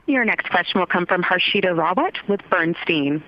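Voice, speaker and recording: A woman's voice: on the low side, lively intonation, moderate pace, no echo. A woman reading scripted announcements as a conference call operator. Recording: dull telephone conference line.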